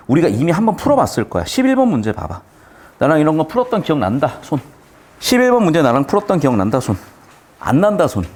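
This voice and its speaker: A man lecturing students on grammar, asking quick questions and answering them himself, shifting between polite and blunt speech. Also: mid-range voice. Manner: lively, questioning, answers his own questions.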